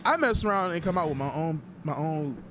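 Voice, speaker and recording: A man's voice: a little high, lively intonation, a little fast, a bit bright, a little hiss or hum. A man from Toledo with an African American accent, chatting casually and repeating his phrases for emphasis. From Toledo, Ohio, USA. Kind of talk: casual group chat.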